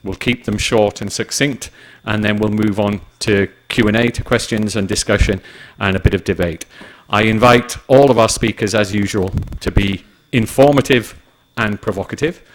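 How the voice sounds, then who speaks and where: A man opens an afternoon conference session with a relaxed, joking manner. His voice sits a bit low, and his pacing is steady and measured. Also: poor audio. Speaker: session moderator. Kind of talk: conference chairing speech.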